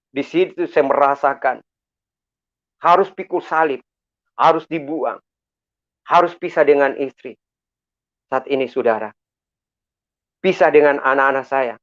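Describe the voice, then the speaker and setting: A middle-aged man from Makassar giving an earnest, preacherly church testimony, often calling out to his listeners. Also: mid-range voice. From Makassar, Indonesia. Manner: earnest, preacherly, repeatedly addresses listeners as brothers. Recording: tinny phone-like sound.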